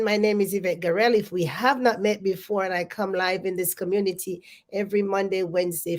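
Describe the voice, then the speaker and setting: A woman hosting a live business coaching show, congested and talking energetically to her viewers, often repeating her greetings and questions. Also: medium pitch. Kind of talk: live stream talk to viewers.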